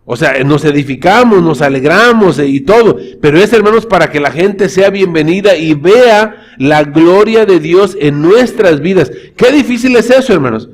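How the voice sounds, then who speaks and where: Storytelling from the pulpit, this pastor speaks in a high, animated voice at a moderate pace with few pauses. Throughout the church sermon he addresses the congregation as brothers.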